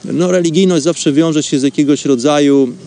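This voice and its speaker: A man's voice: on the high side, normal speed, dark tone. Reflective male radio host. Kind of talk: informal monologue storytelling on a spiritual radio show.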